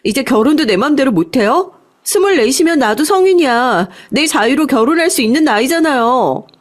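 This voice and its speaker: A woman's voice: sits high, lively intonation, moderate pace, pitched above the performer's own voice. A woman voicing a fed-up, defiant daughter in her twenties, protesting in story dialogue. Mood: indignant. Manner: protesting, indignant. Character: fed-up, defiant twenty-four-year-old eldest daughter.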